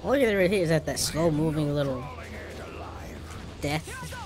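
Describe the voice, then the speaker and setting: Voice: medium pitch, expressive, fast, music in the background. A gaming streamer with an African American English accent, giving casual gameplay commentary.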